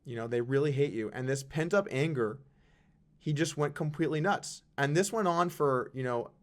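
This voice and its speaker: A young man, a poker vlogger, telling a personal story to camera in an earnest, halting way with frequent restarts. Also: a little high.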